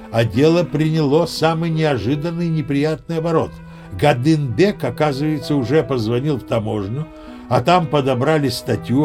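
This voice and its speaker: An actor playing a boastful old sea captain, narrating his tall tale with lively storytelling. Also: mid-range voice, lightly acted. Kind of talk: audio play narration.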